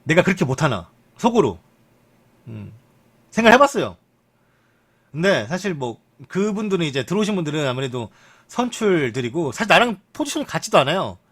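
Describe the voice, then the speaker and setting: A man's voice: brisk, pauses often, husky. A young man streaming live, reading football news in a chatty, joking way and muttering asides. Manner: chatty, lively pitch, jokes and mutters asides. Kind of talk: casual live-stream commentary.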